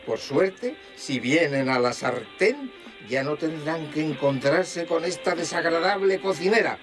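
An actor playing a slick, sensationalist reality TV presenter, narrating dramatically with a Castilian Spanish accent. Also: male voice, fairly high pitch, lively intonation, a little slow. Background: music.

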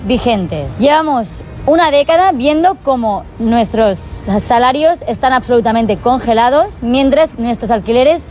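A woman spokesperson speaks in a firm, fairly high voice and lays out each point. Faint music sits behind her. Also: animated, a little slow, darkish tone. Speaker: union spokesperson. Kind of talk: public statement.

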